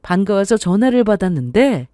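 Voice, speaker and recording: Brief: woman storyteller, calm scripted narration, dry close mic. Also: medium pitch, fairly quick, dry recording.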